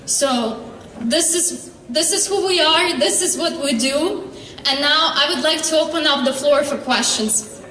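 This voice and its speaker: Startup founder, woman, high voice, earnest pitch with frequent pauses and fillers, heard from afar. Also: sharp tone. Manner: earnest, halting with fillers and restarts. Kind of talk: pitch presentation and Q&A. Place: convention hall stage. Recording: echoey hall, distant mic.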